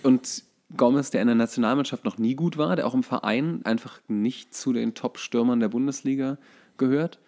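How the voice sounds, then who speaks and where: A man's voice: medium pitch, moderate pace, darkish tone. A man in his thirties co-hosting a podcast in casual sports chat, hesitant and thinking aloud as he goes. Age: 30s. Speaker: podcast co-host.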